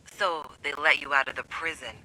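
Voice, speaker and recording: Sharp, taunting, suspicious holdout. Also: male voice, on the high side, fairly even intonation, moderate pace, rough recording. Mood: mocking, distrustful. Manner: taunting, sardonic, swearing. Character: defiant, suspicious escaped-prison holdout, sardonic man. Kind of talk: video game voice acting.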